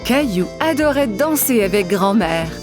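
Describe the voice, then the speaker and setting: A woman narrating a scripted children's story with a clear storytelling delivery. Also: medium pitch, lively intonation, a little slow, music in the background.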